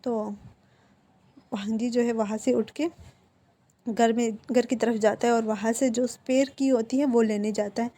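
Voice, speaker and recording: A woman narrating fan fiction in a plain, steady retelling with repeated connecting phrases. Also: a little high. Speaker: storyteller.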